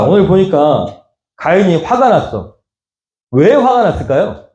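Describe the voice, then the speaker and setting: A man's voice: on the high side, dark tone, lo-fi sound. A male pastor preaching a sermon, pressing the congregation with rhetorical questions in casual, conversational speech. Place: church sanctuary. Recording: echoey church hall.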